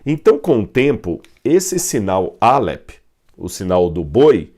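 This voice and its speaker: Explaining at a whiteboard, a man with a Brazilian Portuguese accent teaches a Bible history lesson step by step, using fillers and correcting himself along the way. His voice sits on the low side and is very animated, a little slow and a little mellow.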